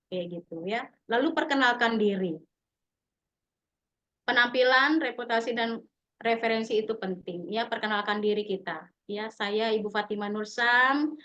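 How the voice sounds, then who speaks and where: A woman's voice: on the high side, fairly bright tone, lo-fi sound. A woman giving a conversational online training talk as a business trainer, with frequent tag words and restarts. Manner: conversational, often acts out sample dialogues. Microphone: video call.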